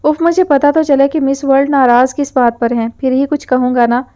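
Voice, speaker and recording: A woman's voice: high-pitched, little pitch movement, mellow, close to an everyday voice. Woman reading as a brash rich young man. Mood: teasing. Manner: teasing, then curt and commanding.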